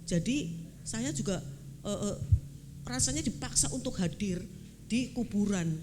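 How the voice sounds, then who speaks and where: An older woman evangelist, preaching a sermon through a lively personal testimony and often addressing the congregation directly. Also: medium pitch, a little slow, noisy background. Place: church.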